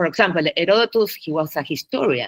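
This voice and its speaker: A woman speaks with a fairly low pitch. The sound is dry and close, with no echo. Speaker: researcher in a scholarly discussion group. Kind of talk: academic discussion on a video call. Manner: halting, many fillers and repetitions.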